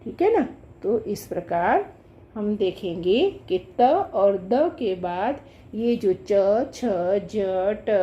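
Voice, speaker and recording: A woman's voice: mid-range voice, warm tone, slight background noise. A woman teaching a grammar lesson, explaining step by step and checking in often with "thik hai". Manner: patient, repetitive explaining with frequent "thik hai". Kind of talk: classroom lesson at a board. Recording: dull lo-fi sound.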